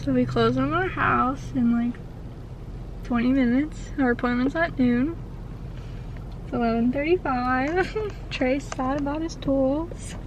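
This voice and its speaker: A woman's voice: high voice, a little slow, long pauses, noisy background. Giggly young woman in an echoey empty house. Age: young adult. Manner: giggly, chatty, narrating as she walks. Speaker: vlogger. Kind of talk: casual vlog, house tour. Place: car, then empty house with bare rooms. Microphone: handheld camera at arm's length.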